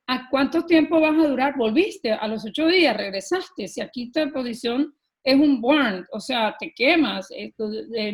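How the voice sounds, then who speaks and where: A middle-aged woman with a Colombian accent speaks in a slightly high voice. She tells her own story as a podcast guest, earnest and lively. She often pauses on small filler words before carrying on. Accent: Colombian Spanish. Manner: earnest and animated, often pausing with "eh" and "este". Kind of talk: personal storytelling in an interview.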